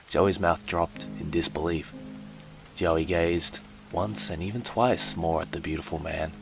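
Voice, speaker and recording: A man's voice: low voice, steady tone, takes it slowly, vocal fry. A man giving a hammy, mock-dramatic comedic reading of fan fiction as narrator, with music behind him.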